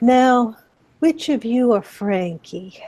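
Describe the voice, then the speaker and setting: A female-sounding voice puts on a high-pitched character voice with a Southern US accent. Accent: southern drawl. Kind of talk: polite, refined.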